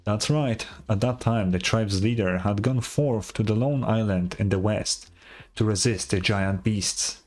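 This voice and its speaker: An actor playing an earnest tribal storyteller in a video game, telling heroic legends in a measured, reverent, solemn way. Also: male voice, lowish voice, a little mellow, soft background music. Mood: solemn, dramatic. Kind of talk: dramatic storytelling, scripted game dialogue.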